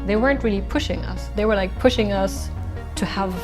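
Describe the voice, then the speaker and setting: A woman from Germany giving an interview, relaxed and enthusiastic. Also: mid-range voice, a little fast, music in the background. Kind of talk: interview testimonial.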